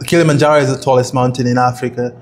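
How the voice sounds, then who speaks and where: A young adult man with a Tanzanian accent talks casually in an interview. His first language is Swahili, and his voice sits at a middle pitch. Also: fairly even intonation, rapid-fire. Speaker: interview guest, international student.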